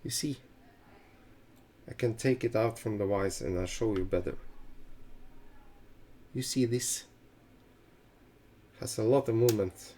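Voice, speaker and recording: Slow, halting Norwegian-accented man. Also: lowish voice, dark tone, a little hiss or hum. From Norway. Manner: halting, hesitant phrasing with many fillers. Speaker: fly-tying channel host. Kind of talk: casual fly-tying tutorial.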